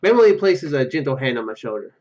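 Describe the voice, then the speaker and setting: A man's voice: medium pitch, big pitch swings, fast, darkish tone, lo-fi sound. A man hosting a let's play, reading story narration aloud with stumbles and casual asides. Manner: stumbles over words while reading. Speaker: gaming video host.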